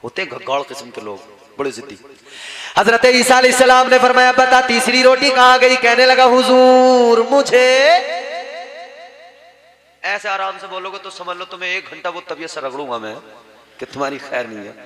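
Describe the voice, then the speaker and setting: A man's voice: high voice, lively intonation, moderate pace, fairly bright tone. A man preaching to a gathering, telling a religious story with dramatic voiced dialogue and humorous asides. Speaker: Islamic preacher. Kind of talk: sermon storytelling. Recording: live crowd at a religious gathering. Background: crowd.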